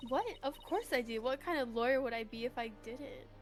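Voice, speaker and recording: Woman as perky young female lawyer, high voice, feisty, flustered, courtroom game, light music. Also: brisk, natural voice. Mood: indignant, feisty.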